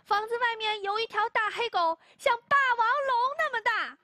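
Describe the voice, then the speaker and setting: A woman's voice: very high voice, moderate pace, pushed and bright, no room sound, voice pushed up. A woman voicing a frightened young girl telling her parents about a huge dog.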